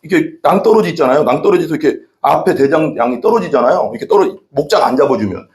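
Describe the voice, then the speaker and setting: A man's voice: fairly high pitch, animated, racing, darkish tone. A man preaching a casual, conversational sermon, often asking the congregation questions. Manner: chatty, asks the congregation questions. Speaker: pastor. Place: church sanctuary. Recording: echoey church room.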